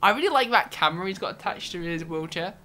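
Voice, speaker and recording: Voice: mid-range voice, animated, fast, crowd noise. A video game player chatting casually and jokily as a let's play host, teasing a co-host.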